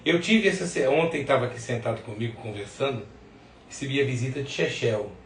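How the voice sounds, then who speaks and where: A man's voice: mid-range voice, animated, a little fast, a little hiss or hum. A man with a northeastern Brazilian accent hosting a podcast in casual, opinionated conversation. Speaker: podcast host. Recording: roomy echo, distant mic.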